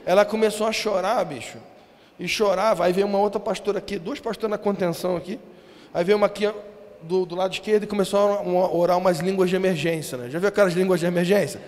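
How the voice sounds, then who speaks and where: A man from Brazil preaching a sermon, telling a story in a lively, slangy way and acting out what people said. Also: sits high, quick pace. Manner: animated, slangy storytelling with acted-out quotes. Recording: reverberant hall with faint ambience.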